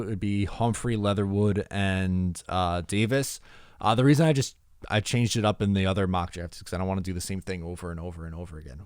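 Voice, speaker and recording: Smooth, deep-leaning male podcast host. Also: a little mellow, no echo, studio quality. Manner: opinionated, blunt. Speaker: podcast host answering voicemails. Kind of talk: casual sports talk.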